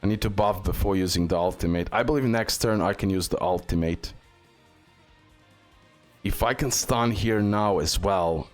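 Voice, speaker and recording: A man's voice: low-pitched, normal speed, faint music behind. A man giving casual, unscripted gameplay commentary as a video host, often repeating short phrases over and over.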